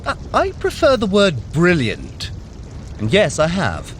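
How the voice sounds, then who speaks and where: An actor playing a cunning, sardonic trickster god in an audio adventure, with a wry, condescending, theatrical manner. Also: male voice, high-pitched, huge pitch swings, a little slow, a little hiss or hum, heavily acted. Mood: smug. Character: Loki, cunning, sardonic male trickster god, brother of Thor. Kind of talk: scripted audio adventure acting.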